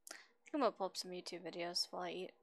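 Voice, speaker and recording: A woman's voice: lowish voice, flat delivery, very fast, creaky. A woman giving casual, reactive live commentary as she streams a video game.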